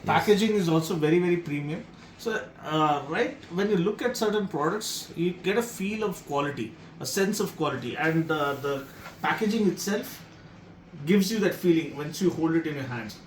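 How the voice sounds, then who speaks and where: A man's voice: a little high, lively intonation, normal speed. A man in his thirties with an Indian accent, hosting a casual unboxing and review chat. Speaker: vlog host and product reviewer. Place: hotel room, indoors. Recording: echoey room with noticeable background noise.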